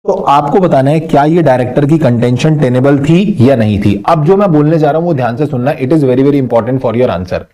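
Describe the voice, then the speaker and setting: A young man teaching exam law in a lively, conversational manner, reading question text slowly and adding teasing asides. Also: medium pitch. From Punjabi family. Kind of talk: exam-prep lecture, mixing Hindi and English.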